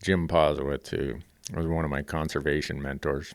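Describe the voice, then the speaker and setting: The audio is very clean, with a silent background. A man talks at a fairly slow tempo. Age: 60s. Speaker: podcast host. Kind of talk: interview. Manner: halting.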